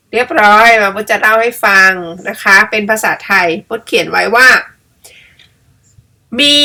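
Bright and chatty, a middle-aged storyteller and vlogger with a mid-range voice shares her own tale while editing pictures. She mocks herself and laughs a lot along the way.

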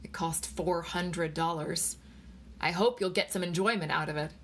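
A woman's voice: lowish voice, steady tone, normal speed, a bit bright, a little hiss or hum, pitched below the performer's own voice, close to an everyday voice. Woman reading as a weary, exasperated husband. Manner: firm, tired, remonstrating.

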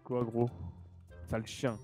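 A man's voice: medium pitch, slow pace, music in the background. A young man chatting with friends over an online game, teasing and joking in slang. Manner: teasing, lively, jokey slang. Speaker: fellow player. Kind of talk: casual gaming chat.

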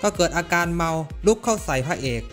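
Male recap narrator: fast, slightly high, casual slangy delivery over faint music. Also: expressive. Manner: brisk, chatty, slangy asides.

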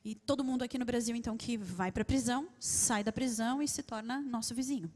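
A woman interpreting a guest speaker's talk live in a large church, relaxed and quick to laugh. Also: a little high. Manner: laughs easily, relaxed and conversational. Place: large church auditorium with an audience. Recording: long hall reverb.

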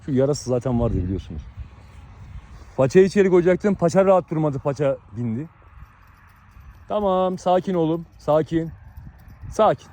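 A man's voice: a little high, animated, normal speed, long pauses, mellow. A man narrating to his viewers while trying to separate two fighting dogs outdoors, giving urgent repeated commands. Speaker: dog breeder vlogger. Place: outdoors in a dog yard. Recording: outdoor recording with dog noise.

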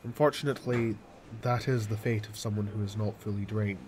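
Guy playing calm doctor in audio drama, kinda low voice, measured n formal, bit of background noise. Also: close to an everyday voice. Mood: sober, matter-of-fact. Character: calm, formal male hospital doctor, firm and matter-of-fact. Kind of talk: amateur audio drama acting.

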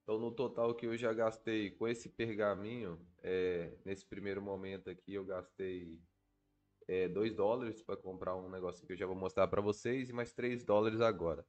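A man's voice: on the low side, fairly even intonation, normal speed, darkish tone. A Brazilian man with a stuffy, congested nose from a cold, thinking aloud in casual, slangy gameplay commentary. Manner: informal, slangy, swearing. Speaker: gaming video creator.

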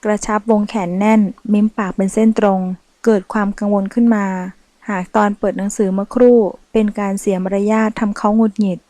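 Woman audiobook narrator, steady even reading, mellow warm tone, dry close sound. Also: medium pitch, a little fast, few pauses, no room sound. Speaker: audiobook reader. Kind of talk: scripted narration of a romance novel.

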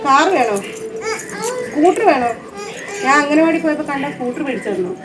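High-voiced mother coaxing a child. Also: lively intonation, fairly quick, far from the mic. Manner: coaxing and scolding a small child. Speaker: mother and vlogger. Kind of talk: casual home vlog. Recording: loud background noise.

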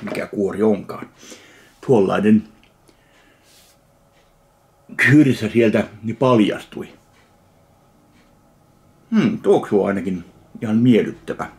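A middle-aged man from Finland giving casual food tasting commentary to camera in a home kitchen, talking in an unhurried way with pauses as he eats. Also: on the low side, expressive, a little mellow. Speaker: food review vlogger. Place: small home kitchen, indoors. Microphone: camera a short distance away. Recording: clear background noise, handling clicks.

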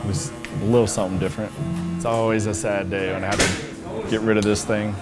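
A man's voice: lowish voice, little pitch movement, a little fast. A man chatting easygoingly in a barbershop chair about his haircut plans, rambling a little. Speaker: barbershop client. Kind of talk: casual chat. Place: barbershop, indoors. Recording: music playing behind.

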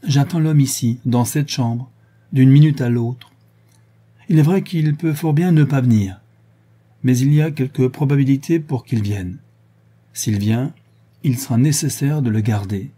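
A man reads a young gentleman detective in an audiobook, laying out his deductions with cool method. The voice is very dark and husky, and the delivery stays calm and measured, like a patient lecture. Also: medium pitch. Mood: reasoning. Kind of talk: audiobook reading.

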